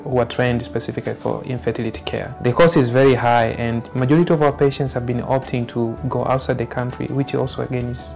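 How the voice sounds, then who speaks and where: Gynecologist, man, even measured delivery, gravelly voice. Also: mid-range voice, faint music behind. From Tanzania. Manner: measured, explanatory, with frequent "uh" fillers. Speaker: obstetrician-gynecologist. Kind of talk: documentary interview.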